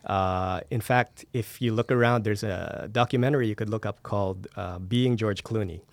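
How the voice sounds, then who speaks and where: A man with a fairly low voice talks as a guest in a podcast interview. He explains in a conversational way, using examples and checking in with the listener. The studio sound is close and dry. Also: normal speed, vocal fry, dry recording. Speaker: podcast guest, media entrepreneur. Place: recording studio.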